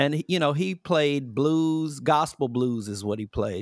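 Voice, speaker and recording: The recording is very clean and the background silent. A man talks in a fairly high voice. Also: dry, close sound with no echo. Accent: Tennessee. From US South, rural southeast Tennessee. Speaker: musician and anti-racism educator. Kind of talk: casual interview.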